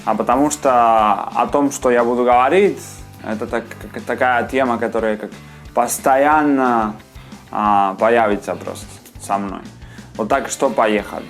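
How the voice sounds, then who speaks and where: Young guy w a foreign accent, chatty vlog, stops n restarts a lot, middle pitch, faint guitar behind. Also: fairly even intonation. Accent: foreign, non-native Russian. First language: not Russian. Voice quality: halting, many restarts and fillers. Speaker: vlogger. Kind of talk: casual chat to camera.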